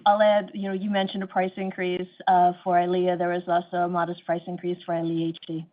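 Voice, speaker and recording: A woman's voice: lowish voice, completely flat delivery, fairly quick. A woman speaking as a company executive, answering questions on an earnings call. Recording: slightly dull conference call audio.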